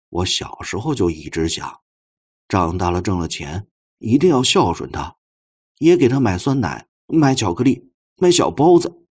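一名男播讲者在有声小说里扮演一个腼腆笨拙、真诚而怀着哀思的年轻男人，说话磕磕绊绊。. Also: male voice, deep voice, a little mellow, husky, heavily acted. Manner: halting, stammering, awkward. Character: shy, clumsy, earnest young man, tenderly grieving. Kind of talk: audiobook character dialogue.

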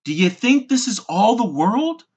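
Narrator voicing a high-pitched fretful mother duck. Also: very animated, measured pace, breathy edge. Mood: proud, motherly. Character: tired, fussy, proud mother duck.

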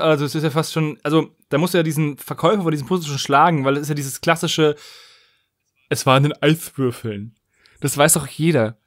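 A man's voice: a little high, a bit bright. A man co-hosting a podcast in casual, conversational talk. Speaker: podcast host. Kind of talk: casual chat.

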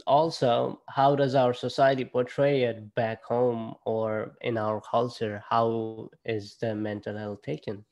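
A young man from Nepal with a Nepali accent, presenting casually to students on a video call through a laptop mic, halting and restarting often. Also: medium pitch, level tone, a little mellow. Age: young adult. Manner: halting, with frequent fillers and restarts. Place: indoor room at home. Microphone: laptop webcam on a video call.

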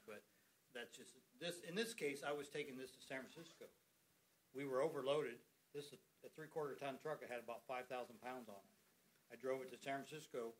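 A man's voice: medium pitch, a bit bright, low-quality recording. A man, a farmer co-presenting a workshop, telling in a plain-spoken, rambling way how he started out. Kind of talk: telling his story at a workshop.

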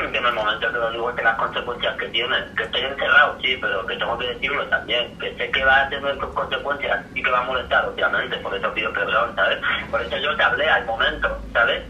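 A man's voice: mid-range voice, fast, pushed and bright, far from the mic. A man with an accent from Spain, speaking casually over a phone speaker, earnest, apologetic and rambling. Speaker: recipient of a phone call. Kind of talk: casual, emotional phone conversation. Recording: tinny roomy phone speaker, slight noise.

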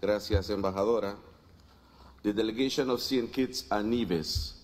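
A man's voice: lowish voice, measured pace. A man speaking formally and courteously as chair, calling out a roll-call vote in procedural announcements. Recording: noisy assembly room sound in played video.

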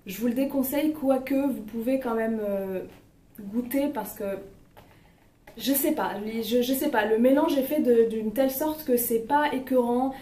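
A woman's voice: fairly high pitch, normal speed, dark tone. A young woman chatting casually about her favorite products, hesitant with lots of fillers, recorded at home. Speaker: beauty vlogger. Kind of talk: casual product review chat. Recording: roomy, distant mic, faint noise.

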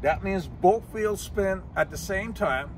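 Working first in a dealership parking lot and then from inside a car, an older mechanic who is a master diagnostic technician walks through car features methodically and plainly, with minor slips. His high voice is animated and measured in pace. The recording is rough, with a little hiss or hum.

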